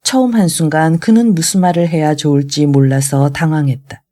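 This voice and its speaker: An audiobook reader narrating a classic novel aloud in a steady, even way. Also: medium pitch, a little fast.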